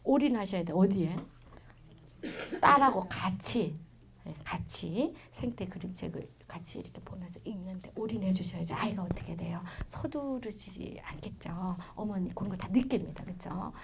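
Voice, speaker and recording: A woman's voice: medium pitch, moderate pace, vocal fry, a little hiss or hum. Middle-aged woman with a regional Korean lilt. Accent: Korean regional dialect. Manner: chatty, lively storytelling with sudden loud bursts and soft asides. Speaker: lecturer. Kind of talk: parenting lecture.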